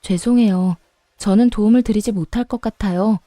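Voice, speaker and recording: A woman's voice: medium pitch, moderate pace, dark tone, no room sound, studio quality. A woman narrating a first-person radio story as a daughter-in-law, in an exasperated, matter-of-fact way. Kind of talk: Korean radio story reading.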